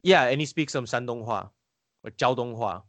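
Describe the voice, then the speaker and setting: A man's voice: medium pitch, normal speed, a bit bright, no echo. An American man chatting casually as a guest, rambling and hesitant with lots of "like" fillers. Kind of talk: casual conversation.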